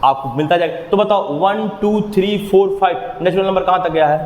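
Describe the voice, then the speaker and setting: High-voiced man teaching maths in an echoey classroom. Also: fairly quick, a little mellow, slight background noise. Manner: explains step by step, keeps asking the class questions. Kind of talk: classroom lesson with motivational asides. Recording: echoey room, long reverb.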